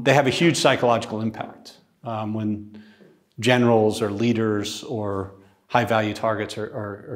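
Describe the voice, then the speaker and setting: A man in his forties giving a conversational, animated lecture to a class, recorded by a camera across a small classroom. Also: medium pitch. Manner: conversational, animated, gestures while talking. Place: classroom with a wall screen.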